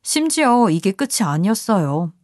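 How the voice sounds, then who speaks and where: A woman's voice: mid-range voice, big pitch swings, moderate pace, a little mellow, no echo, studio quality. Woman narrating a confiding story. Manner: confiding first-person telling.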